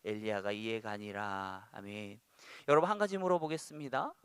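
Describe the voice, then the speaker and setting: A male pastor preaching a sermon, moving from quiet scripture reading to loud, acted outbursts as he voices scolding parents. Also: fairly low pitch, moderate pace, smooth, no echo.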